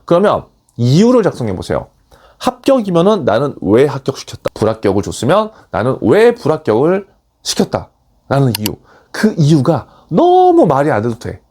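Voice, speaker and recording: A man's voice: medium pitch, dark tone. A man giving an online lecture as a job application coach, emphatic and urging, often switching into blunt casual speech.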